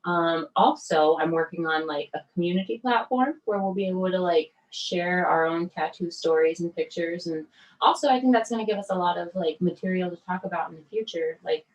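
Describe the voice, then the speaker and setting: Chatty low-voiced woman podcast co-host. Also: brisk, hardly any pauses, recorded from a distance, muffled recording. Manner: chatty, uses "like" a lot. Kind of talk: casual podcast chat.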